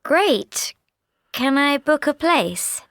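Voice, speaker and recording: A woman voices a customer signing up for a course. Her high voice moves widely up and down. She speaks very slowly, in a dry recording. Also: very animated, fairly bright tone, no room sound, full character voice. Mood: eager.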